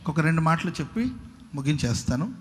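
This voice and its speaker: Man, preacher, sermon, fairly high voice, repeats lines for emphasis, calls out to the congregation. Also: sing-song, fairly quick, a little hiss or hum. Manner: repetitive, emphatic, with call-and-response to the congregation.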